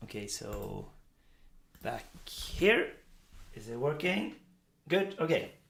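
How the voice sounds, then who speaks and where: A man talks at a very slow pace, with long, frequent pauses. Room echo is audible. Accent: non-native. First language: not English. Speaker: pianist and music educator. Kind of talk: live-streamed music tutorial. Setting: livestream at the piano. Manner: halting, many fillers.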